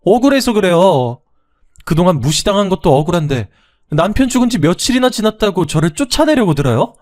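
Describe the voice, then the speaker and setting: A man's voice: a little high, lively intonation, moderate pace, a little mellow, pitched above the performer's own voice, natural voice. A man voicing a wronged young widowed daughter-in-law, indignant and pleading, in a radio story.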